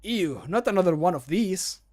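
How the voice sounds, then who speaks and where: Man acting as disdainful adventurer, grim tone, fantasy game dialogue, higher-set male voice. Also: lively intonation, normal speed, darkish tone. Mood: disgusted. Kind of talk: video game voice-line acting.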